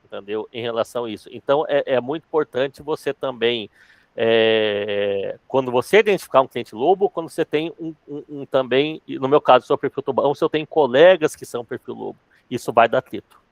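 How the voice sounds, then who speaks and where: A man teaching sales in a casual live class, talking fast and eagerly, often restarting his sentences. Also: medium pitch, creaky, dry recording. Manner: fast-talking, calls himself accelerated. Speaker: sales trainer.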